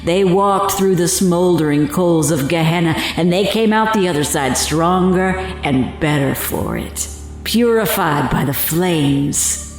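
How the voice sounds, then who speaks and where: A woman playing an evil, taunting cultist witch in a horror audio drama, gloating and mocking as she speaks. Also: fairly low pitch. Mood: fervent, sinister. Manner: gloating, mocking, slow and deliberate, cackling. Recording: very echoey, music underneath.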